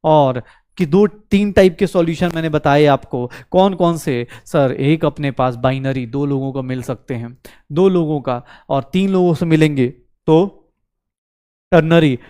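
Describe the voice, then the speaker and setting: Guy teaching chemistry online, kinda high voice, quick and pushy, keeps asking then answering himself. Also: darkish tone, clean tone. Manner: brisk, coaxing, often asks questions and answers them himself; mixes Hindi with English terms, calls students beta. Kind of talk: online class lecture.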